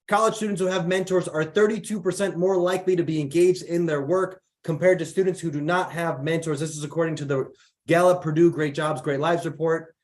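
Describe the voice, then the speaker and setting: A young founder from the Chicago area, with a slightly high voice made raspy by allergies, hosts a casual mentor workshop over video call. Chatty throughout, he reads out the attendees' names and their locations.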